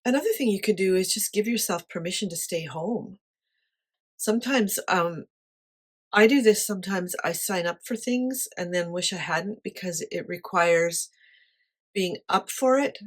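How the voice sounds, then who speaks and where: A woman with a quiet voice talking casually to camera about her life, light-hearted and honest in manner. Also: lowish voice, normal speed. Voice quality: quiet voice that does not carry. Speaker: artist sharing life advice.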